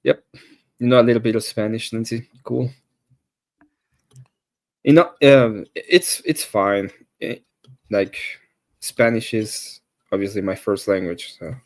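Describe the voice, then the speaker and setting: A man's voice: lowish voice, steady tone, a little slow, pauses often. A man chatting casually on a live stream, laughing almost constantly while he jokes and teases. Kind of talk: casual chat.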